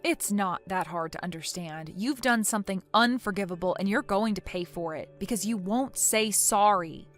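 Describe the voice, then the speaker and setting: A woman voicing a calm, resolute young woman who speaks in a cold, measured, firm way. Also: mid-range voice, soft background music, close to an everyday voice.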